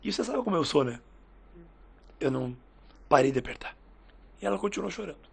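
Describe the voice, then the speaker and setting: A man's voice: on the high side, brisk, vocal fry, slightly rough. A man, hosting a casual podcast chat and telling stories, acting out the quoted dialogue as he goes. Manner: lively storyteller who acts out quoted dialogue.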